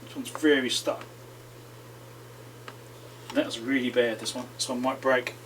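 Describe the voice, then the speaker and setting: A man's voice: medium pitch, steady tone, unhurried, fairly bright tone, a little hiss or hum, low-quality recording. A man hosting a repair video, casually talking himself through the work with chatty asides to viewers. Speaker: electronics repair channel host. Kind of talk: casual running commentary while repairing.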